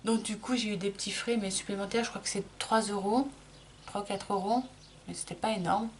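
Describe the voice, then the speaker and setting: A middle-aged woman casually chats her way through a makeup tutorial, explaining each step as she applies it, with plenty of fillers and small restarts. Her voice sits at medium pitch with a steady tone and moves a little fast. A slight hiss or hum runs underneath.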